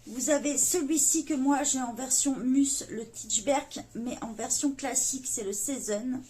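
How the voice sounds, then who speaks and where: A woman from France hosts her coloring channel, speaking to her viewers in a gentle, earnest tone. She often stops to search for words and fills the gaps with little hesitations. Her voice sits a touch higher than most. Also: measured pace, slightly rough. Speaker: YouTube coloring channel host. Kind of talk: casual video address to viewers.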